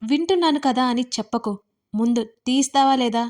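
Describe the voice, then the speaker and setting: Woman reading harsh commanding young husband for audio storybook, sharp scolding questions, fairly high voice. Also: a little fast, natural voice. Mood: angry, demanding.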